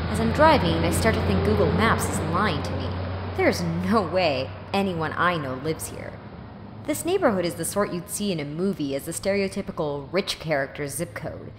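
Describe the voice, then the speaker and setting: A woman's voice: fairly low pitch, big-room sound, very noisy. A woman playing a weary, sarcastic young student and waitress, narrating her life in a dry, reluctant way in an audio drama. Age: young adult. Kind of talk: first-person audio drama narration and dialogue.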